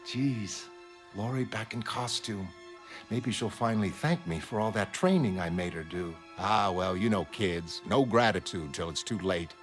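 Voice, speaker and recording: A man's voice: fairly low pitch, unhurried, close to an everyday voice. A man playing a genial, self-deprecating older retired hero, nostalgic and folksy. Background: music.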